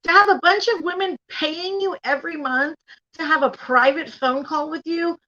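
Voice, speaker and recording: A woman's voice: sits high, normal speed, pushed and bright. A woman hosting a casual commentary stream, blunt and profane, laughing often as she reacts. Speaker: YouTube commentary host. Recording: slightly dull lo-fi sound.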